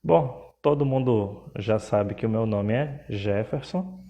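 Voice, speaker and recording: A young man from Pernambuco, a Catholic priest with a Pernambuco accent, speaking on a livestream in a measured, hesitant way. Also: lowish voice, highs cut off. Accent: Pernambuco Portuguese. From Pernambuco, Brazil. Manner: slow, measured, with frequent hesitations. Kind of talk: livestream talk.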